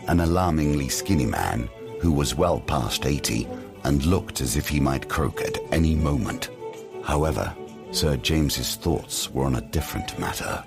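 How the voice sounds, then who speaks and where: An extremely deep, ominous narrator. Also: male voice, gravelly, full character voice. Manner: measured, dramatic. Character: grave, ominous storyteller of gothic horror. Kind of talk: scripted audio drama narration.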